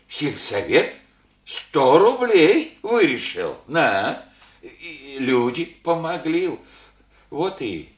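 An actor playing a humble, elderly widowed village father who speaks in halting rustic phrases full of fillers. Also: medium pitch, roomy sound. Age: older. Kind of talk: archival Soviet radio play acting.

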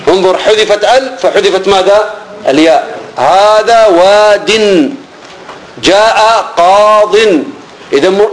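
Guy with a high voice teaching grammar, asks then answers himself, faint hiss behind. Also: low-quality recording. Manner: asks questions and answers them himself, repeats key words; drops low and soft on answers. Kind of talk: explaining Arabic grammar lesson.

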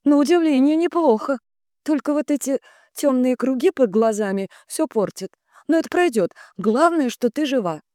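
A woman's voice: expressive, normal speed, warm tone, dry recording, studio quality. A woman voicing a gushing, sugary false sister. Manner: high, sugary, effusive.

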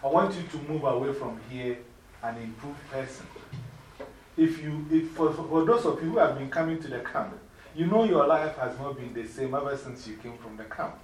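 A middle-aged woman with a Ghanaian accent, mentoring young people in an informal classroom talk, lively and preachy, laughing easily. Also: rumbling low, moderate pace, slight background noise. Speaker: mentor speaking to youth. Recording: echoey room from far off.

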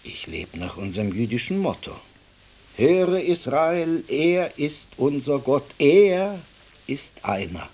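Slow, fervent, devout Jewish man. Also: a little high, big pitch swings, a little mellow, exaggerated voice. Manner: fervent, halting, dropping to a whisper. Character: devout, impassioned Jewish man, humble seeker of God. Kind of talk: radio play acting.

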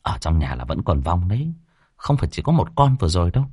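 A stern young exorcist scolds and gives firm orders in a lowish, lively voice, as a man acts him out. The sound is close and dry. It is a storybook figure. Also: quick pace, slightly rough, dry recording, exaggerated voice.

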